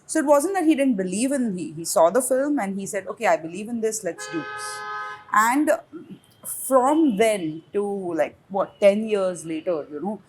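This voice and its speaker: An Indian woman filmmaker tells a story with animated energy, laughing now and then and mixing in Hindi words. Her voice sits at a middle pitch, and a faint hiss runs under the recording. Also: normal speed. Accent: Indian English. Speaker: independent filmmaker. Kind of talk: casual roundtable discussion.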